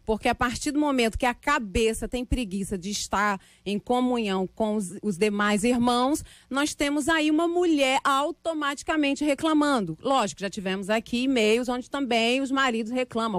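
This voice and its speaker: A woman's voice: a little high, moderate pace, few pauses, no room sound. A woman on a radio panel giving religious commentary in a preacherly, explanatory way. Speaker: debate panelist, gospel singer. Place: dry radio studio.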